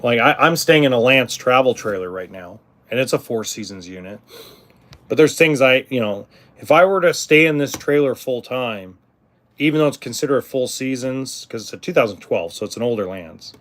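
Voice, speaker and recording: A man's voice: medium pitch, lively intonation, normal speed, a bit bright. A middle-aged man hosting a casual livestream about RVs, answering viewers in a rambling way, with frequent ums, restarts and blunt cursing. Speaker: RV livestream host.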